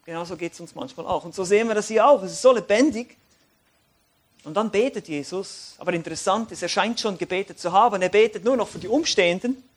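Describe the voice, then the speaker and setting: A man preaching a sermon and reading Bible verses, animated, moving between quiet reflective lines and raised, emphatic ones. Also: high voice, fast.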